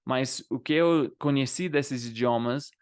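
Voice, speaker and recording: A man's voice: medium pitch, unhurried, smooth. A man whose first language is English, speaking Brazilian Portuguese with an English accent and casually explaining to learners, often adding little tag questions. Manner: conversational, frequent tag questions. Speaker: language teacher and vlogger.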